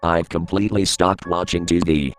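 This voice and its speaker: A man narrating a creepypasta horror story in a steady, grave reading voice. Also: deep voice, normal speed, soft background music.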